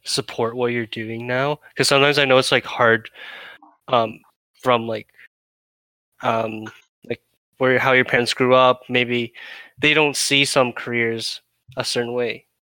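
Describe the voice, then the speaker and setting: A man's voice: mid-range voice, level tone, measured pace, bright, forceful tone, smooth, no room sound. A young man hosting a casual chat, asking curious probing questions.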